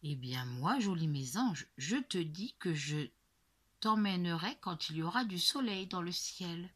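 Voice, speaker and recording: A woman voicing a gentle, patient father in a soft, coaxing tone. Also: lowish voice, expressive, a little slow.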